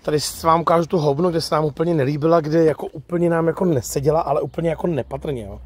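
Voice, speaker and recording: A somewhat high, husky male voice with fairly even intonation hosts a car review channel, chatting casually as he walks around and test-drives a car at a used car lot. He starts outdoors on the lot and later talks from inside the car, tagging his sentences with "jo."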